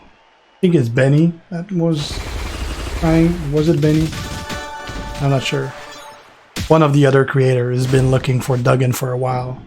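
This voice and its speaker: A man in his forties, French by first language and with a French accent, chatting loosely with his live-stream viewers and answering them by name. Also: medium pitch. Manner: relaxed, rambling, answers chat by name, fillers. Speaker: gaming streamer. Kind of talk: casual live-stream chat.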